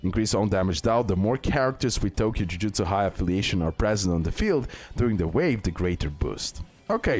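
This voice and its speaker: A man's voice: fairly low pitch, darkish tone. A man hosting a gaming video with casual, unscripted commentary, often repeating himself and checking in with the viewer. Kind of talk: casual unscripted game tier-list commentary. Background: music.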